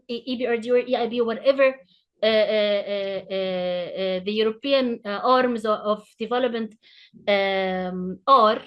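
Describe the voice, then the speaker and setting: A woman panelist speaking off the cuff, hesitant and full of fillers yet impassioned. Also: high voice. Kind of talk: unscripted panel remarks.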